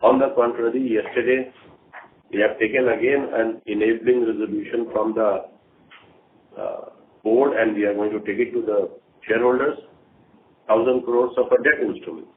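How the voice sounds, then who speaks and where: A man speaking as a company executive briefing investors on an earnings call, talking deliberately in short, halting phrases. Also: lowish voice, steady tone. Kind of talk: earnings call management commentary. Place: conference call. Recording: tinny phone line with faint noise.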